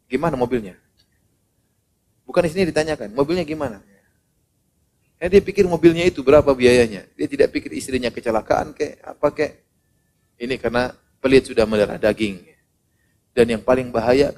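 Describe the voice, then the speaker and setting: A middle-aged man preaching a sermon, animated, acting out the people he quotes and swinging between loud and soft. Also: mid-range voice, a little hiss or hum. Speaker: Islamic preacher. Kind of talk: sermon to a congregation.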